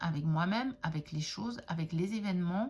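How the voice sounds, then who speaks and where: A woman's voice at medium pitch, somewhat breathy. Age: 60s. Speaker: tarot card reader and vlogger. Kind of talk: casual vlog monologue. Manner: hesitant with many fillers.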